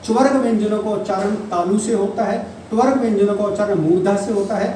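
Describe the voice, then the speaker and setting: A male teacher lectures on grammar in a patient, repetitive style, drawing out each example syllable by syllable. His voice is mellow and set back from the microphone. A heavy room echo and a faint hiss sit around every word. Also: high voice. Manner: explains patiently, repeats key terms and drawls examples slowly. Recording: distant mic, echoey room, faint noise.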